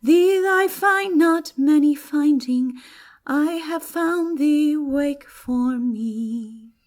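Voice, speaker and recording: A woman performing a lovelorn young man in an audiobook, singing slow, drawn-out verse with melodic yearning. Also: sits high, darkish tone, faint music behind, pitched above the performer's own voice.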